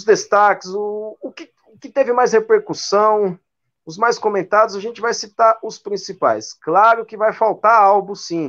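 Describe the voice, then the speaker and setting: At a fairly slow pace, a man with a high pitch speaks in fairly even intonation over a quiet background. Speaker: rock music commentator. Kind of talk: casual chat.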